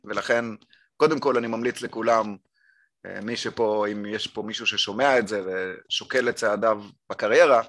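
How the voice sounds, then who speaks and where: Halting Israeli man in his forties. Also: lowish voice, fairly even intonation, fairly bright tone. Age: 40s. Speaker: podcast guest, marketing consultant. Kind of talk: casual explanatory chat.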